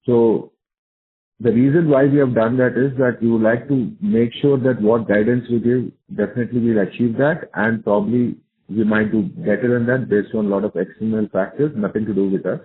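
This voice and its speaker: A man's voice: medium pitch, fairly even intonation, normal speed. A man with an Indian accent answering investor questions as a company executive on a conference call, restating his points for emphasis, over a narrow phone line.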